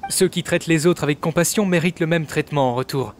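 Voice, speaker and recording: A man's voice: fairly high pitch, quick pace, close to an everyday voice. A man playing an affable young servant of a noble clan in a game dub, speaking politely and formally. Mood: affable, admiring. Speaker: amateur voice actor dubbing a game character. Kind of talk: scripted game dialogue dub.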